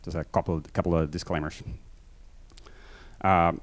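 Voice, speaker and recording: A man with a low voice and a Brazilian accent, mixed from living in many countries, speaks into a handheld mic on a large conference stage. He talks fast and loose, with constant fillers and self-deprecating asides. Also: level tone. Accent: Brazilian Portuguese mixed. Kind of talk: conference talk.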